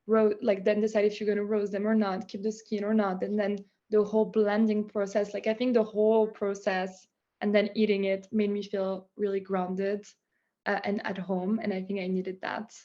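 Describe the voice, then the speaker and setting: A woman's voice: medium pitch, normal speed, highs cut off. Young French-accented woman, chatty. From France. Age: young adult. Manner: chatty, many "like" fillers, animated. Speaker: guest, founder of a nut butter business. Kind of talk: casual interview chat.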